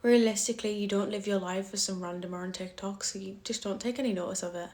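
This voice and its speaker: A woman's voice: mid-range voice, fairly even intonation, quick pace, darkish tone. Blunt Cumbrian woman live-streaming. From Cumbria, England. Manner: blunt, dismissive toward trolls, laughs easily. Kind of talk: casual live-stream chat answering comments. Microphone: phone.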